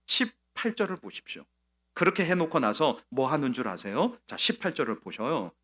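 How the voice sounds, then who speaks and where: A man preaching a sermon as pastor, acting out quoted lines with sudden swings from soft to loud. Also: on the high side, very animated, normal speed. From South Korea. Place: church sanctuary.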